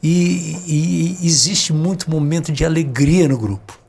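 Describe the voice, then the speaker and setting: A man's voice: a little high, measured pace, gravelly, a little mellow, slight background noise. A man who grew up on a farm, talking earnestly and reflectively in a casual panel conversation. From rural Brazil. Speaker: panel guest.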